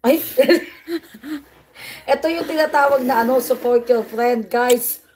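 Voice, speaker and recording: A woman's voice: a little high, takes it slowly, a little mellow, husky. A playful, teasing woman from the Philippines chatting casually on a livestream, laughing often. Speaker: vlogger.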